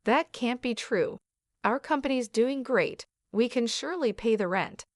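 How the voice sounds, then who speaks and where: A woman voicing a catty, spoiled young woman in her twenties, mocking and shrill, in a storybook narration. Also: lively intonation, unhurried, no room sound, clean studio sound.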